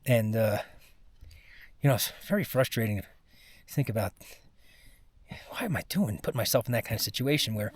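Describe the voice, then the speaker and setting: A man giving a casual first-person vlog monologue, sounding exhausted, with a weary, halting, rambling way of talking. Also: on the low side, animated, breathy edge, no echo. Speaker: mountain climber recording a personal expedition vlog.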